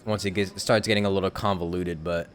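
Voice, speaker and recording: A man talks casually while streaming a game, relaxed and quick to laugh. His voice sits on the low side. He answers his chat in a loose, chatty way. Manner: laid-back, laughs often, answers chat. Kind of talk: casual live-stream commentary.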